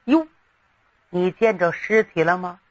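A storyteller voicing a blustering, folksy old male general with a gruff voice that drops low and breathy. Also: animated, a little slow, lo-fi sound, natural voice. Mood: coaxing. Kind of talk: traditional storytelling.

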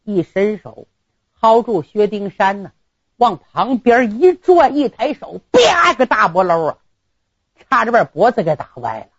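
Husky woman telling an old tale. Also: medium pitch, very animated, unhurried, dry recording, lo-fi sound. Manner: dramatic, sound words and asides to listeners. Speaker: storyteller. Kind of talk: traditional storytelling performance.

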